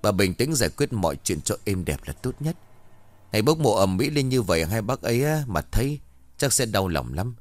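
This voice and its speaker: A man voicing a calm older grave digger in a ghost story, speaking soothingly with small hesitations. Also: lowish voice, a little fast, no echo.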